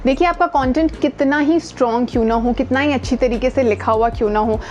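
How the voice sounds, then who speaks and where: Standing outdoors close to her house, an Indian voice coach hosts a video and teaches informally to camera, talking emphatically and conversationally while mixing in English words. Her voice sits high and she speaks fast; the lo-fi sound is darkish, with slight background noise.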